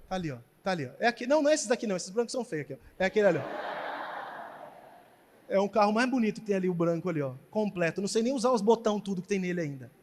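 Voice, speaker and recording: A man preaching as pastor, telling a testimony with animated storytelling and emphatic exhortation. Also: sits high. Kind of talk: sermon with testimony. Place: church hall. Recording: church hall reverb.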